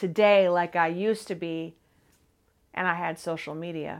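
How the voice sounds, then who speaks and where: With a normal speaking voice at medium pitch, a woman talks at a fairly slow pace with fairly even intonation in a very clean recording with a silent background. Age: 50s. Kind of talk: religious teaching. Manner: warm, earnest.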